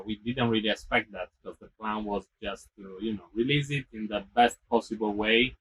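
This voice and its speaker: A man with a husky, slightly breathy voice talks steadily as a band guest. He explains at an even clip, with only light fillers. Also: fairly low pitch, low-quality recording. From Italy. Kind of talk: casual interview answers.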